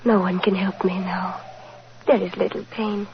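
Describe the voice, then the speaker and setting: An actress playing a dying gypsy fortune-teller in 1940s radio drama, solemn and tender in halting short phrases, on a dull, noisy old recording. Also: female voice, mid-range voice, fairly even intonation, natural voice. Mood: weak, tender.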